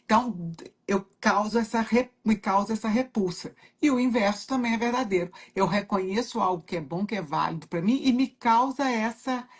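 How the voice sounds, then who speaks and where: Mulher brasileira de voz rouca e sentida. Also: female voice, mid-range voice, moderate pace, breathy edge. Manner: heartfelt storytelling, repeats words for emphasis. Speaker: trainer at a coaching company. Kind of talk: casual reflective talk.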